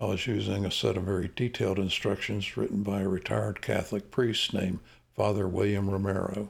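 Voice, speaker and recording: This man's voice is fairly low, with vocal fry and a monotone, flat intonation. His loudness stays very even on a very clean recording with a silent background. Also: fairly quick pace. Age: 70s. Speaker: model shipbuilding business owner and podcaster. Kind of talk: scripted narration. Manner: formal.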